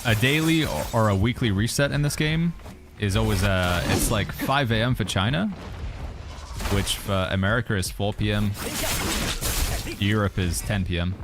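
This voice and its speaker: A man streaming a game, reading viewer questions aloud and musing through his answers in a relaxed, casual way. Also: lowish voice, normal speed, background noise. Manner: relaxed, reads viewer questions aloud and muses with hedging asides. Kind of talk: casual livestream chat while playing.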